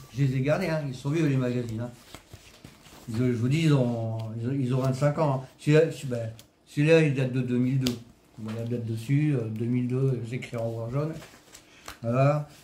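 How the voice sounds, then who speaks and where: A man at medium pitch and moderate pace, with ordinary pitch variation and long, frequent pauses. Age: 50s. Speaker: parrot owner. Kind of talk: casual talk to camera.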